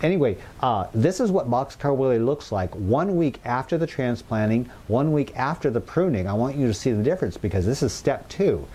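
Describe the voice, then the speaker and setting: A man's voice: medium pitch, sing-song, fairly quick, few pauses, dark tone, husky. A middle-aged man, recovered with a little left in his throat, gives an upbeat, reassuring, chatty gardening lesson from an outdoor patio garden. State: recovered, slight leftover throat. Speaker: gardening channel host. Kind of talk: casual gardening tutorial. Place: outdoor patio garden full of potted plants.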